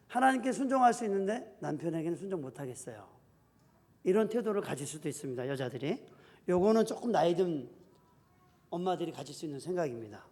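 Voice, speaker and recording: A male pastor preaching an animated sermon in a church, acting out quoted husbands and wives as he goes. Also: high-pitched. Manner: animated preaching, acts out spouses' quarrels in quoted voices. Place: church sanctuary. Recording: reverberant church hall.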